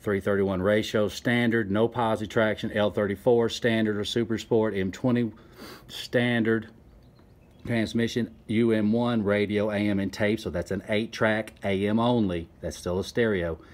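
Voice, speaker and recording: The channel's host, a man with a lowish voice, fairly even intonation and a moderate pace, walks around a car in an old open barn, inside and out. He explains its details plainly and methodically as walkaround narration. He films the whole thing on a handheld phone.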